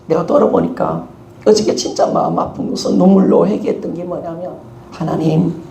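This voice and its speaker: A man's voice: high-pitched, steady tone, fairly quick, creaky, dark tone. A male pastor with a Gyeongsang Korean accent preaching a sermon, emphatic and calling out to the congregation for a response. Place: church sanctuary. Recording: echoey church hall with background noise.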